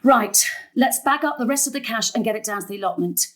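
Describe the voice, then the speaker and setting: A woman playing a brisk, long-suffering middle-aged mother in an audio drama, prim and organising. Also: fairly high pitch, a bit bright, lightly acted. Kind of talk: stage-thriller audio drama acting.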